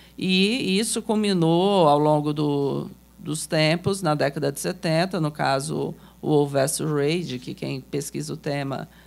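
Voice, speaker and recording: Her voice sits very deep and low for a woman, with ordinary pitch variation. She talks at a fairly slow pace. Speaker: law professor. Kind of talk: academic conference talk. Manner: halting, many fillers.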